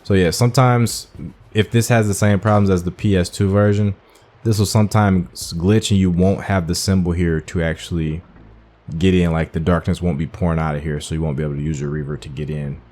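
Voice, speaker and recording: A man's voice: low-pitched, fairly even intonation, brisk, darkish tone. A man giving casual, informal playthrough commentary as a gaming video host, thinking aloud as he goes.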